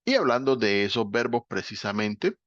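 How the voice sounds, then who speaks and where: A man's voice: mid-range voice, lively intonation, moderate pace, a bit bright, no room sound. A man teaching an English grammar class, explaining patiently and checking in with his students. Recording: dull, dry lo-fi recording.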